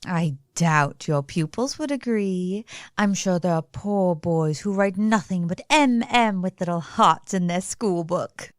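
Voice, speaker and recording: A woman's voice: fairly low pitch, a little slow, no room sound, studio quality, natural voice. A woman as bubbly, gushing young Lucy. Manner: gushing, chatty, excitable. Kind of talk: stage radio play acting.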